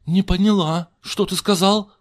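A man's voice: high-pitched, fairly even intonation, measured pace, no room sound, clean studio sound, voice pushed up. A man voicing a startled, timid woman asking questions in a storybook reading. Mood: questioning.

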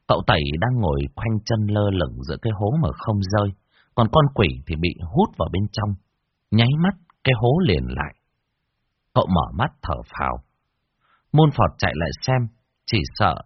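A man narrating a ghost story in a lively, dramatic way. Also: lowish voice, breathy edge, no room sound. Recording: dull lo-fi dry recording.

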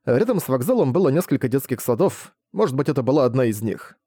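Mellow male audiobook narrator. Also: medium pitch, sing-song, fast, husky, no echo, studio quality. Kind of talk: reading a novel aloud.

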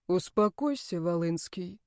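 A woman voicing a calm, authoritative male healer in an audiobook, speaking in a measured, steady way. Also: fairly low pitch, no echo, studio quality. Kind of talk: audiobook character voice.

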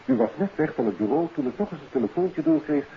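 An actor playing an easygoing, dutiful police inspector reporting to colleagues in a 1950s radio drama. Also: male voice, a little high, lively intonation, fast talker, lightly acted. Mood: businesslike. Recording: muffled 1950s radio recording, faint noise.

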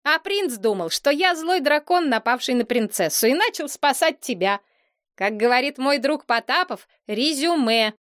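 A level-headed boy, matter-of-fact and reasoning, settling a quarrel, as a woman reading a storybook puts him on. The voice is fairly high and lively. Close and dry sound. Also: normal speed, no echo. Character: sensible peacemaking boy. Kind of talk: audiobook character voice.

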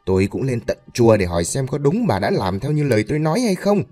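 Male narrator voicing an enraged husband in a spoken tale: loud, high, accusing, bitter. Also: sing-song, fast, faint music behind, close to an everyday voice. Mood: furious. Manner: shouting, accusing. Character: furious middle-aged husband, stern and bitter.

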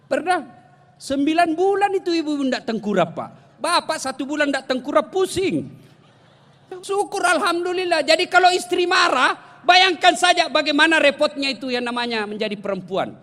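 Male preacher, high voice, comic storyteller who talks straight to the crowd, long echo of a big hall. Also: moderate pace. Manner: jokey, animated storytelling, addresses the audience directly. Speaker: Islamic preacher. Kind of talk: humorous sermon to a congregation.

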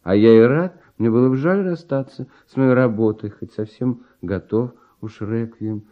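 An actor playing a troubled, sincere composer in a radio verse drama, confiding uneasily as if haunted by dread. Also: male voice, medium pitch, normal speed, lightly acted. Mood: uneasy confiding. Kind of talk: theatrical verse dialogue, classic Russian radio play. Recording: dull, muffled old radio recording.

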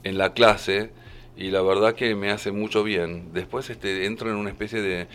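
A man's voice: on the low side, fairly even intonation, normal speed, a bit bright, clear, resonant tone. A man with an Argentine accent hosting a radio interview, chatty and rambling, often correcting himself. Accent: Argentine Spanish. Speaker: radio host. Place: radio studio.

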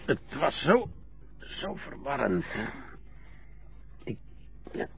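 An actor playing an old widower who haltingly confesses a guilt that haunts him, in a radio drama. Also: male voice, medium pitch, wildly swooping pitch, vocal fry, slightly rough, dull audio, exaggerated voice. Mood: troubled. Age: older. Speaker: old man being helped to dress.

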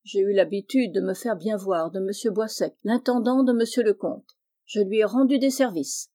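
A woman's voice: mid-range voice, normal speed, dark tone, lightly acted. A woman voicing a boastful, scheming young man in a storybook reading, smug and offhand.

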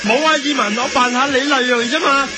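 Playful Hong Kong Cantonese man, very high voice. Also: steady tone, brisk, very noisy. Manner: playful, switching between host voices, hyped chart-countdown delivery. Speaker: radio comedy host. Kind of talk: comedic radio sketch.

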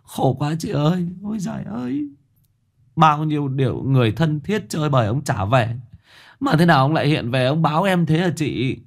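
A man playing a frightened young man, stammering and wailing in a high, strained voice that swoops around. His pleading sounds sharp and unsteady, as if from a storyteller's ghost tale. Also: animated, normal speed, vocal fry. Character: panicked young man, whimpering to a spirit medium.

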